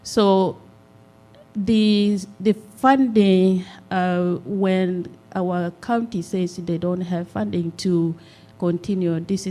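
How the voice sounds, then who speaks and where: A middle-aged woman from South Sudan speaks in an unhurried, earnest and measured way, pausing often on "uh". Her voice has a mellow, soft tone. She addresses a town hall meeting through a handheld microphone. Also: fairly low pitch. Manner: earnest, measured, with many "uh" pauses. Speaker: community nonprofit representative. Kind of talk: town hall public comment.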